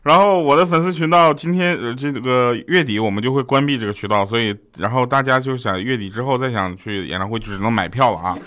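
A man's voice: mid-range voice, quick pace, hardly any pauses, a bit bright. A man, hosting a comedic podcast and telling funny stories in a chatty, joking way. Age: 30s. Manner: joking, chatty, laughs often. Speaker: podcast host. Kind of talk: comedic storytelling chat.

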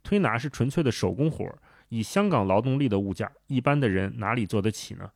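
A man's voice: lowish voice, animated, brisk, vocal fry, darkish tone, dry recording, clean studio sound. A man co-hosting a book podcast, casually introducing and reading a chapter opening. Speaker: podcast co-host.

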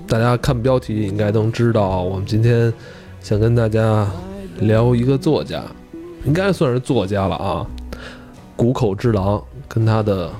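A man, co-hosting a podcast in a relaxed, chatty way with mild swearing. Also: mid-range voice. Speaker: podcast co-host. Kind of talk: casual podcast chat.

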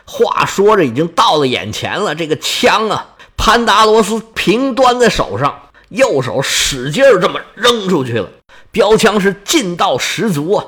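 A man's voice: high voice, big pitch swings, unhurried, a bit bright, slightly rough. A man telling an epic tale in dramatic oral storytelling style, vivid and chatty with asides to listeners.

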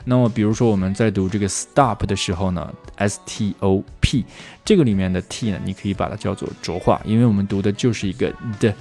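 A man explains English pronunciation in a low, mellow voice. He slows right down to repeat each example phrase several times, drilling it. A faint guitar plays underneath. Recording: soft guitar music underneath.

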